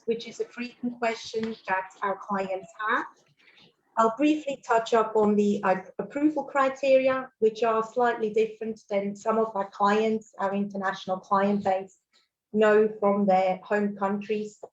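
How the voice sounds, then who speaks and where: A Swiss woman, German her first language, hosts a mortgage webinar over a video call, friendly and peppered with fillers and little laughs. Her voice sits a bit high with a darkish tone, and the audio sounds dull.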